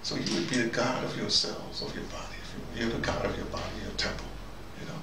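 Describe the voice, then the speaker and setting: Speaking fairly quickly at a medium pitch with fairly even intonation, this older male video diarist gives a conversational opinion piece to camera. His talk drifts from point to point as he muses aloud and asks himself questions. The mic sits far off in a roomy space full of ambient noise.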